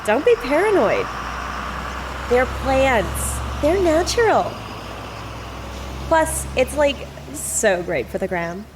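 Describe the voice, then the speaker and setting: A breezy young tourist in an audio drama, all gushing social media enthusiasm. Her high voice swoops up and down and drags out words. Clear vehicle noise sits behind her. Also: big pitch swings, slow, pauses often, exaggerated voice. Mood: excited, dismissive.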